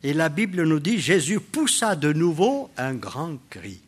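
An older man preaching a sermon, addressing the congregation with rhetorical questions, swinging between loud exclamations and quiet asides. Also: a little high, sing-song, unhurried, breathy edge.

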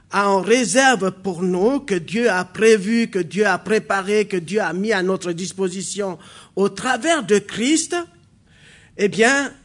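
His voice sits high and a bit bright as this New Caledonian man, a native speaker of a local New Caledonian language, preaches in a church hall. He opens halting and full of fillers, then builds into emphatic preaching.

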